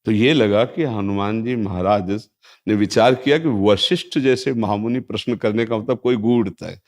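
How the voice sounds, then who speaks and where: Give me a man explaining spiritual teachings in a measured discourse, with recited Sanskrit verses. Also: on the low side.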